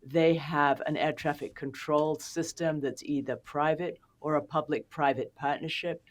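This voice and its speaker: Low-voiced woman policy expert, methodical. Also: fairly even intonation, unhurried. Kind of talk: explanatory political interview.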